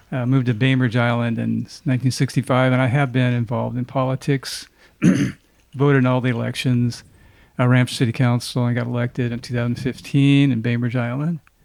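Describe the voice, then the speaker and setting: With an American accent, the speaker goes at a fairly quick pace in a monotone, flat intonation. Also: man, medium pitch for a man. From Washington State, Seattle area. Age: 70s. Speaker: voter, former city council member. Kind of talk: panel discussion. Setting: studio.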